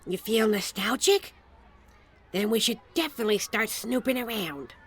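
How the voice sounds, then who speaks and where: Echoey reverberant sound, woman acting as female demon, higher pitch, sardonic, impatient, coaxing, conversational audio drama. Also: expressive, moderate pace. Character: female demon sharing a fairy's mind, teasing, impatient. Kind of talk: ASMR audio roleplay acting.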